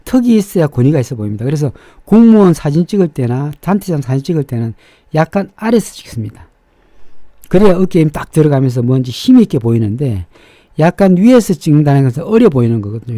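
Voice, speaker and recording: A middle-aged man with a slightly raspy, sharp-edged voice, explaining things informally and emphatically as an opinionated fortune-telling show host. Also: fairly high pitch, very animated, quick pace, dry recording. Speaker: fortune-teller and face reader hosting a show.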